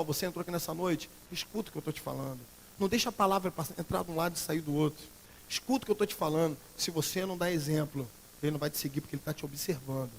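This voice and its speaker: High-voiced Brazilian pastor preaching emphatically. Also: male voice, big-room sound. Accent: Brazilian Portuguese. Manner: emphatic preaching, swinging between loud outbursts and quiet earnest passages. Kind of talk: sermon. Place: church sanctuary.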